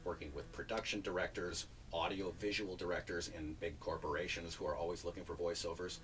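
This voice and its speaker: Deep-voiced chatty man, voiceover coach. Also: little pitch movement, fairly quick, fairly bright tone. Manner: chatty, joking, promotional. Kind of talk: casual interview chat. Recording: distant mic with faint ambience.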